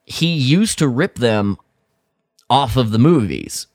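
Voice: mid-range voice, lively intonation, takes it slowly, darkish tone, no room sound, studio quality. A podcast co-host chatting casually in a playful, slangy way. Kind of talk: casual chat.

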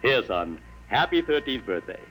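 A man playing a cheerful, brisk, teasing father in a 1950s radio drama, with a hearty, jovial manner. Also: medium pitch, big pitch swings, music in the background, lightly acted. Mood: cheerful, affectionate. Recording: faintly noisy 1950s radio recording.

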